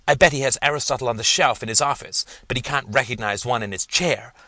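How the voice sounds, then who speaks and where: A man's voice: medium pitch, expressive, moderate pace, pushed and bright, no echo, pitched above the performer's own voice. A man doing a stammering earnest young student. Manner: hesitant, stammering. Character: young male grad student, earnest and insecure.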